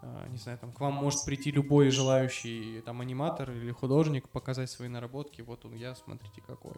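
Guy hosting a casual interview, echoey room, music behind, kinda halting questions. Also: mid-range voice, fairly even intonation, creaky, mellow. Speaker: interview host.

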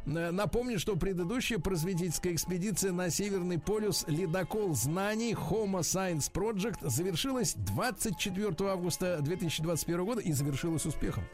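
A man's voice: high voice, fairly quick, hardly any pauses, soft background music. A man hosting a radio morning show, chatty and playful as he interviews a guest. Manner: lively, chatty, playful asides. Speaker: radio host.

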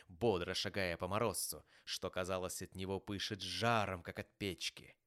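A man narrating an audiobook in an expressive storytelling manner. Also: low-pitched. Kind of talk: audiobook reading.

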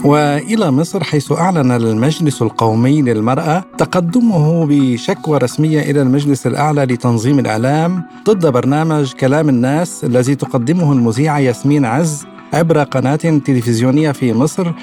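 A man co-hosting a radio show, reading news items and discussing them in a measured, formal way. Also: fairly high pitch, mellow, faint music behind. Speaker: radio co-host.

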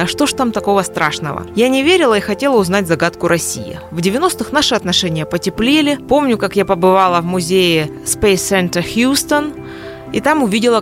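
A middle-aged woman from California with an American accent, animatedly telling stories as an interview guest in a language that is not her first. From California, USA. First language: English. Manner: lively, animated storytelling with wide swings in pitch. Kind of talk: podcast interview.

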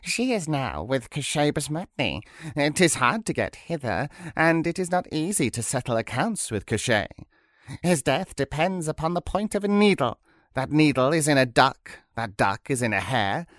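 A man voicing a bony-legged old witch, knowing and gruff in manner, in a storybook reading. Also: fairly high pitch, very animated, moderate pace, fairly bright tone, no echo, studio quality, voice pushed up. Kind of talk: storybook character voice.

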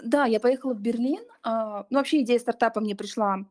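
A woman startup founder in a casual interview, talking with many pauses, fillers and restarts. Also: fairly high pitch, darkish tone. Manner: hesitant, many fillers and restarts, occasional laughs.

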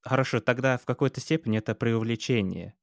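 A male host leads the conversation with halting, word-searching questions. His voice sits at a middle pitch. It is recorded close, with a dry, roomless sound. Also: vocal fry, dry recording. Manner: hesitant, searching for words with fillers. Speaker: podcast host. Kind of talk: interview questions.

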